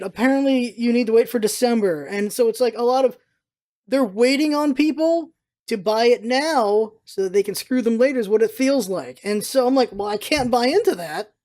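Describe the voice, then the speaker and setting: A man's voice: very high voice, fairly quick, darkish tone. A male vlogger talks off the cuff and gives his opinions freely. He rambles through his points and often says a phrase again to drive it home. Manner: rambling, repeats himself for emphasis. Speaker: vlog host, gaming content creator. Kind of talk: casual opinionated commentary.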